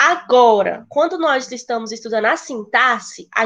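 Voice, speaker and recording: Her voice high, a woman talks at a moderate pace with very wide pitch swings. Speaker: teacher. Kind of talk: lecture.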